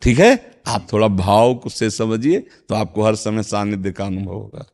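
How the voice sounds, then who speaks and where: A man's voice: lowish voice, measured pace, darkish tone. A man giving a devotional discourse as a spiritual teacher, answering followers' questions, chanting verses and then explaining them.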